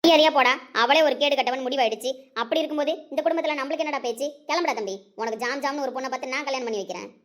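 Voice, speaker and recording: A woman's voice: sits high, rapid-fire, natural voice. A woman playing a proud, scornful woman feuding with her brother, speaking sharply and tauntingly in a family drama. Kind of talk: amateur family drama acting.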